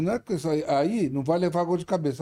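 Music sounds in the background. The talking moves fairly quickly. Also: man. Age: 70s. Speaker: sports journalist. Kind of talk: casual chat.

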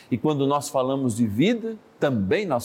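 A man at medium pitch and a fairly slow pace, with very wide pitch swings. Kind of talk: sermon.

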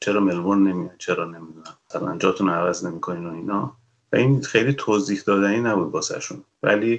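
An unremarkable speaking voice from a man, fairly low in pitch and fairly quick in pace. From Iran, Rasht (Gilan). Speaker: mechanical engineer and part-time journalist. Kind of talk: casual interview.

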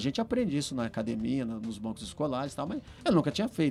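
Very fast speech with lively intonation comes from a man with a fairly high pitch. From Brazilian Northeast, Paraíba backlands. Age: 40s. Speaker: police captain and political candidate. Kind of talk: interview.

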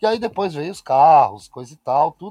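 This man has a dark, mellow tone and ordinary pitch variation. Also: dry, close sound with no echo. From São Paulo area, Brazil (Osasco). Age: 40s. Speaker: sim racing driver and coach. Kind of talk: casual interview chat.

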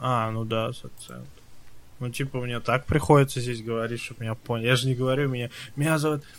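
Very fast and monotone, a man speaks with flat intonation at a medium pitch, his loudness swinging widely. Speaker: podcast co-host. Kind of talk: casual chat.

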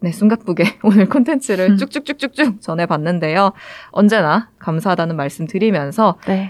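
At a moderate pace and medium pitch, a woman talks with lively intonation on a very clean recording with a silent background. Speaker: journalist podcast host. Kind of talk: casual chat. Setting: studio. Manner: animated.

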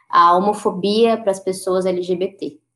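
An unremarkable speaking voice from a woman, medium in pitch, fairly slow, with fairly even intonation. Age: 20s. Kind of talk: casual interview.

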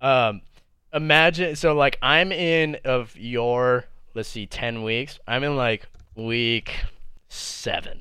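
A man talks very slowly in a bright, sharp tone. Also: medium pitch for a man, ordinary pitch variation. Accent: Californian. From California, Fresno. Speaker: air force pilot trainee. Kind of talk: casual chat.

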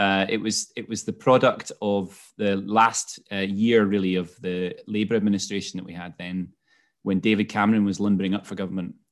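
A man's fairly low, flat, monotone voice in a Scottish accent, at a moderate pace over a quiet background. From Scotland. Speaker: climate policy chief executive. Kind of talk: interview, webinar talk. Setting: video call. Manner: hesitant, filler-heavy.

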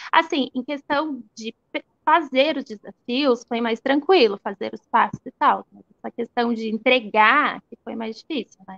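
A woman's high-pitched voice at a fairly slow pace, with ordinary pitch variation, big swings in loudness, and a dry, close sound with no echo. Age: 20s. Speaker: ballet student. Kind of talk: live video interview.

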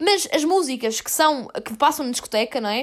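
Fairly quick pace here. The speaker is a woman. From northern Portugal. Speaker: podcast host. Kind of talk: casual chat. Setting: balcony at home.

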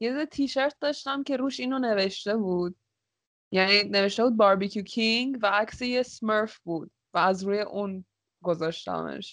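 An ordinary speaking voice with ordinary pitch variation at a moderate pace, over a quiet background. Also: woman, medium pitch for a woman. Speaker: podcast guest, aspiring voice actor. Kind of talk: casual chat. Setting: online call.

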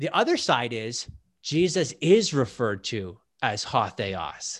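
A man with a Canadian accent speaks with vocal fry and very wide pitch swings. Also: very clean recording, silent background. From Canada. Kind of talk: interview. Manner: halting, many fillers.

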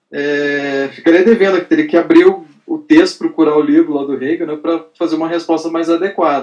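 The man speaks at a fairly quick pace. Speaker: philosophy teacher, participant. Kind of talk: discussion comment.

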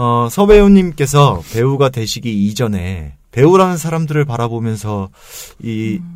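A man's medium-pitched voice at a fairly slow pace, with very wide pitch swings. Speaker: podcast host. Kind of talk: casual chat. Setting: studio.

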